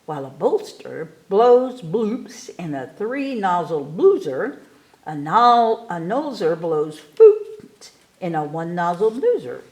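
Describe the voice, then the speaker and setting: A woman reading a rhyming picture book aloud to children in an expressive, theatrical way, stretching key words for emphasis. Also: fairly low pitch, slow pace. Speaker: story time reader.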